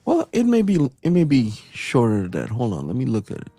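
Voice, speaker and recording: A middle-aged man from Trinidad with a Trinidadian accent, chatting casually as co-host, animated and quick to laugh, with plenty of fillers and restarts. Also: medium pitch, slightly rough, dry recording, faint music behind. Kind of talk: casual chat.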